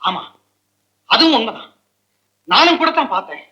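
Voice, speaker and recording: A man's voice: extremely high pitch, sing-song, normal speed, pushed and bright, heavily acted, low-quality recording. An actor playing a lawyer who is certain a supposedly dead woman is alive. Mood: determined. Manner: earnest, probing. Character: suspicious lawyer determined to uncover a mystery.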